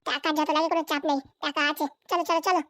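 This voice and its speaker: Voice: high-pitched, fairly even intonation, very fast, a bit bright, no room sound. A performer voicing a ruthless, ambitious, bossy wife and mother in a Bangla comedy cartoon, scheming coldly.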